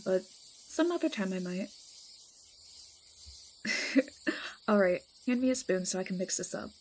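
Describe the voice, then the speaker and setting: A woman's voice: mid-range voice, lightly acted. A woman playing a chatty, teasing, affectionate vampire friend in a casual roleplay audio drama. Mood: gushing, playful.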